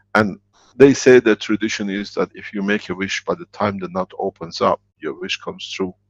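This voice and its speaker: A man speaks with a Persian accent at a moderate pace. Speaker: teacher of a workshop. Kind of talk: online workshop Q&A.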